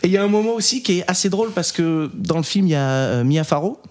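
A man talking film on a podcast in a loose, rambling way, with hesitant fillers and small chuckles between thoughts. His voice sits a little higher than most men's. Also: lively intonation, fast, a little mellow. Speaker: podcast co-host or guest. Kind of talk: casual film chat.

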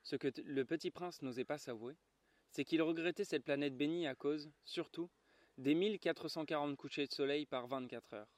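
Lecteur homme posé pour conte, voix assez haute, prise sèche et proche. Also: male voice, on the high side, moderate pace, no echo. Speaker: reader. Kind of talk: reading a children's novel aloud. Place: garden, outdoors.

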